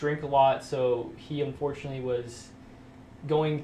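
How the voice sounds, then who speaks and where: A man's fairly high-pitched voice, monotone and flat, with audible room echo. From US Midwest. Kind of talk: interview. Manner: halting.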